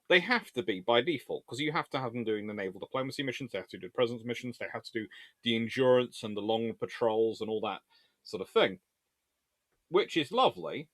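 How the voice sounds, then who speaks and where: A man who hosts naval history videos leads an informal explainer and viewer Q&A, reasoning through debates in a discursive, emphatic manner. His voice sits fairly low and is a bit bright, with no room sound in the recording.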